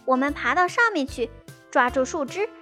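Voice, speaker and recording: A woman voicing a timid little boy mouse who trembles with fear, stammers and sometimes shouts, in a children's storybook. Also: high voice, expressive, normal speed, faint music behind. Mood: anxious. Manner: fearful, trembling, breaks into shouts.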